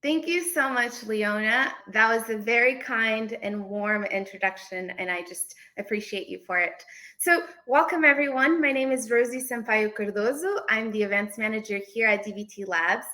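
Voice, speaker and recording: A woman's voice: on the high side, moderate pace, sharp tone. A woman from Portugal giving an informal online presentation as an events manager.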